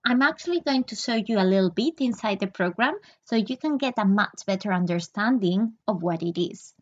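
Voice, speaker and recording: A woman whose first language is Spanish, hosting a channel and calmly explaining a reading program in a scripted, personal review. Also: mid-range voice, muffled recording.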